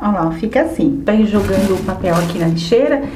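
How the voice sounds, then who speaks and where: Filming a casual home vlog on a handheld wide-angle camera mic, a young woman with a Brazilian Portuguese accent shows her chores in a small apartment's bedroom and bathroom. Her mid-range voice is lively and a little fast, and she's chatty and upbeat, often talking straight to viewers over a noisy background.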